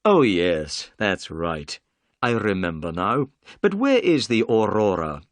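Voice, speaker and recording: A calm, clever male detective, voiced by a storyteller, brisk and polite, with lively pitch that rises and falls. The sound is dry and close-miked. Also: no echo.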